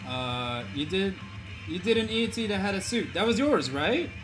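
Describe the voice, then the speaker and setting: A man's voice: sits high, very animated, moderate pace. A young man livestreaming while he draws viewers' characters, chatting loosely with his chat. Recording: music playing behind.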